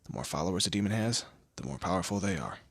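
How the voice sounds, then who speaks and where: Audio roleplay demon lord, played by a man: low and bright-edged, close and dry, haughty, teasing, drawlingly condescending. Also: expressive, quick pace, creaky, slightly rough, no room sound, exaggerated voice. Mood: haughty, commanding. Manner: theatrical, condescending, drawling, with amused asides. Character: smug, teasing male demon lord, proud torturer and bureaucrat. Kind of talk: scripted audio roleplay addressed to the listener.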